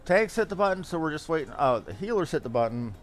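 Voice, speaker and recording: Lively, higher-pitched man streaming a game. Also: fast talker, faint music behind. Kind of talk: casual live gaming commentary.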